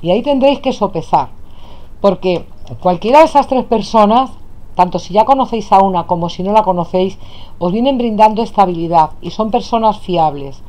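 A woman's voice: medium pitch, animated, fairly quick, warm tone. A woman with a Spain Spanish accent leads a tarot reading for her audience. She speaks fondly to her viewers, calling them her loves as she turns over cards. She is recorded indoors at a table. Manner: affectionate, addresses viewers as "my loves". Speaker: tarot reader. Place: indoors at a table, hands only on camera.

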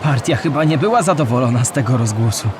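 An actor playing a curious young schoolboy who eagerly asks questions in a scripted children's audio drama. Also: male voice, mid-range voice, animated, fast talker, noisy background, close to an everyday voice. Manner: inquisitive, eager. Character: Historyjek, curious young schoolboy asking about history.

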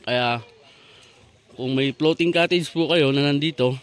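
A man's voice: fairly high pitch, unhurried. A man giving a polite, chatty walking tour of farmland by a river, pointing things out as he goes. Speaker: vlogger showing land for sale. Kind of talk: casual walking tour narration.

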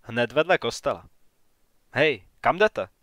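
A man voicing a courteous small-town real estate agent in an audiobook, a little raised and brisker than his narration. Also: mid-range voice, expressive, no room sound. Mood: polite, probing. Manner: courteous, then sharp and questioning.

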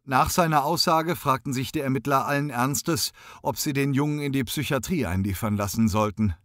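A male audiobook narrator at a middle pitch, reading in a steady, even voice. The close studio mic gives a dry sound with no room in it. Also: normal speed, no room sound. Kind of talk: scripted narration.

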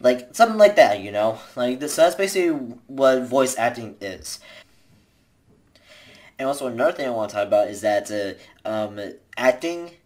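A young man in his twenties talks straight into a desk webcam in a small bedroom, giving casual tips. His delivery rambles, with constant restarts and filler words, and he gestures with both hands as he talks. His voice sits at an ordinary middle pitch for a man. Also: lively intonation, normal speed, a little mellow. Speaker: vlogger giving voice acting tips. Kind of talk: casual advice talk to camera. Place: small bedroom indoors, seated in a gaming chair. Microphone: webcam at desk distance.

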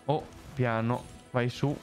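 A young man streaming a game live, reacting loudly and hurling playful insults at enemies. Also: mid-range voice, takes it slowly. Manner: excitable, swears and yells insults at enemies. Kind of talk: live gameplay commentary. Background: game music.

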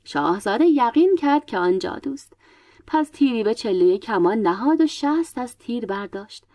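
A woman storyteller reading a classic folk tale in a measured, dramatic way into a close mic. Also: fairly high pitch, a little mellow, no echo. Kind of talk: scripted narration of a folk tale.

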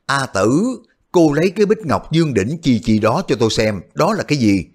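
A man playing a bold, crafty hero in an audio wuxia story. He feigns innocence with a teasing tone, his pitch lively. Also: normal speed, breathy edge. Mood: curious.

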